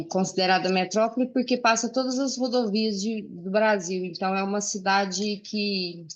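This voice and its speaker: A woman's voice: medium pitch, lo-fi sound. Earnest woman in her 40s. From Uberlândia, Minas Gerais, Brazil. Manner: earnest, pausing often with "é" and "né". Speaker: guest speaker. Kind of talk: personal testimony in a friendly chat. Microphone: video call.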